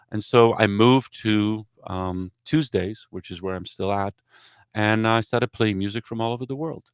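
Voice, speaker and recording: Polish-born guy, middle-aged, gravelly lowish voice, dry close sound, telling stories at a lecture. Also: no room sound. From Poland. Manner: relaxed, rambling, enthusiastic storytelling. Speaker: radio DJ and host giving a lecture. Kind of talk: public lecture, storytelling.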